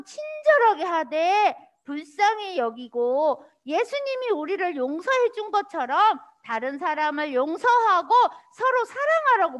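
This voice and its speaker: A woman pastor giving a children's sermon, animated and sing-song, asking little children questions in a church worship room. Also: very high-pitched.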